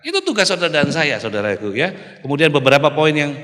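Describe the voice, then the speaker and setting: A male pastor preaching an animated sermon, often calling out to the congregation. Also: on the high side, fast talker. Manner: animated preaching, keeps calling the audience "saudaraku". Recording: reverberant hall.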